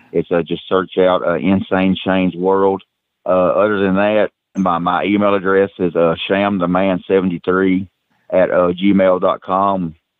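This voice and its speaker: A man talks at a fairly slow pace with a Southern US accent. His very deep, low voice stays monotone and flat. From Tennessee. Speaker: former pro wrestler and action figure maker. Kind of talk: casual chat.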